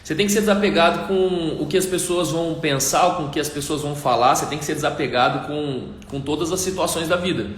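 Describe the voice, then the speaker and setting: A man's voice: on the high side, fast, few pauses. A male pastor giving an emphatic, repetitive sermon on a live stream, speaking directly to viewers. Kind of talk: livestream sermon. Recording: echoey room.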